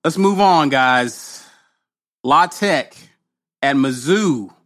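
A man's voice: fairly high pitch, expressive, very slow, a bit bright. A man hosting a casual sports podcast, upbeat and steering the conversation. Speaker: podcast host.

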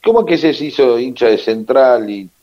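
A man with an Argentine accent hosting a radio show, joking wryly and asking quick questions. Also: mid-range voice, expressive, dull audio. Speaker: radio host. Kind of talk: casual radio chat.

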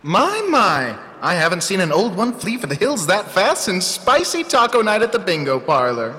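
An actor playing an impish, wisecracking trickster fairy in a fantasy audio drama, mocking and flippant. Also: male voice, high-pitched, huge pitch swings, unhurried, sharp tone, heavily acted. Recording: long cavernous reverb.

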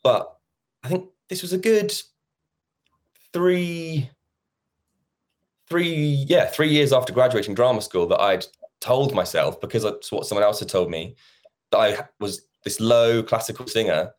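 A man's voice: medium pitch, unhurried, long pauses. A man in his thirties, a musical theatre actor chatting as an interview guest and acting out past conversations. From England. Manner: chatty, acts out quoted conversations. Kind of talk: casual interview chat.

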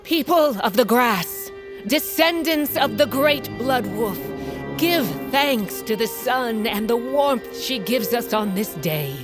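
A woman's voice: on the high side, lively intonation, takes it slowly, over music. An actress playing a stern, middle-aged tribal queen in a fantasy audio drama, speaking in a formal, declamatory and commanding way. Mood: rousing oration. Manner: imperious, declamatory, formal speech.

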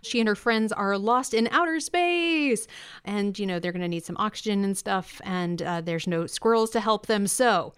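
A woman co-hosting a show about comics and toys, bubbly and chatty as she runs through the news. Her voice is smooth and clear, with a middle pitch. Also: moderate pace. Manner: enthusiastic, chatty. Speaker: co-host. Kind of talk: casual chat.

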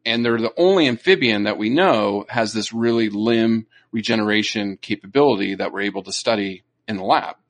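A man's voice: on the low side, fairly quick, hardly any pauses. A man co-hosting a podcast, explaining animal facts in a loose conversational way, often checking in with "you know" and "right?". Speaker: podcast co-host. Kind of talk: casual educational chat.

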